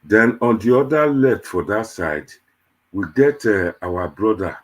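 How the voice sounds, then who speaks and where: Deep husky Nigerian man speaking Pidgin. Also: expressive, measured pace. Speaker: host of an online diaspora panel show. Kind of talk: casual show introduction to viewers.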